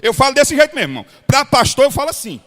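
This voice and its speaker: Man, Cearense accent, pastor's sermon, high tenor voice, blunt and folksy. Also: big pitch swings, racing. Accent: Cearense Brazilian Portuguese. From Ceará, Brazil. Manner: blunt, folksy preaching with shouted peaks. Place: large hall at a pastors' retreat. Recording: long hall reverb.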